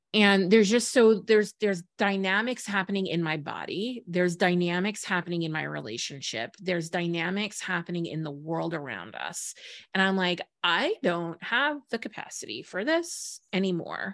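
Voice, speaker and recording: On a very clean recording with a silent background, a woman speaks at a moderate pace and medium pitch in a plain, everyday voice. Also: lively intonation. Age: 40s. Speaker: business coach and podcast host. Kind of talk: casual interview chat.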